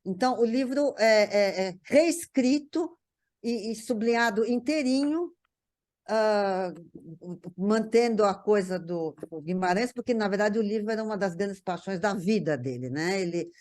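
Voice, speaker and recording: A woman's voice: mid-range voice, animated, a little slow, darkish tone. A Brazilian woman reminiscing in casual conversation as an interview guest, often repeating words as she searches for the next one.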